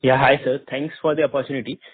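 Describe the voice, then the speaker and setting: A man's voice: mid-range voice, little pitch movement, fast, husky. A man with an Indian accent asking questions as an analyst on a conference call. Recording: tinny phone-like line.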